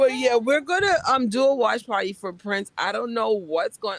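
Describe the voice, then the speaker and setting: A woman with a strong New York accent, speaking at a fairly slow pace, her intonation lively and her tone animated. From New York City. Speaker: channel host, fan livestreamer. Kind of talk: casual livestream chat.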